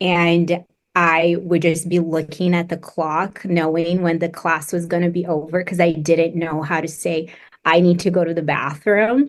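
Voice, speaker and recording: Her fairly low voice stays on a fairly even intonation as this woman speaks at a fairly slow pace. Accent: Portuguese. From Brazil. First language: Portuguese. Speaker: holistic business coach. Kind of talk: podcast interview.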